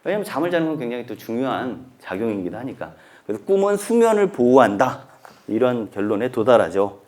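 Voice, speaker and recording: A male professor giving a humanities lecture, telling stories in a lively, conversational way and acting out the lines he quotes. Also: mid-range voice. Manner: conversational, asks listeners to look closely.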